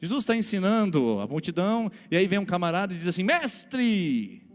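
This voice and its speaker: A pastor with a Brazilian Portuguese accent delivers an emphatic sermon, frequently speaking straight to the congregation. His voice is high, expressive, and quick. The recording carries church hall reverb and faint music.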